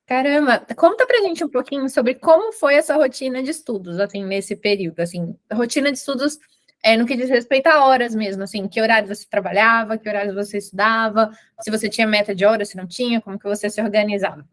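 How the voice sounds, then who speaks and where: A woman's voice: a little high, fast. A woman hosting a casual interview, enthusiastic and exclamatory in her reactions. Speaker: interview host.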